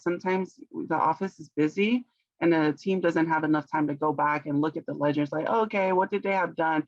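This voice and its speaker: Non-native English-speaking woman, founder guest, measured and searching for words, dry dull sound. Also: fairly low pitch, no echo. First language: not English. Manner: thoughtful, searches for words, laughs often. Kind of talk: conversational business interview.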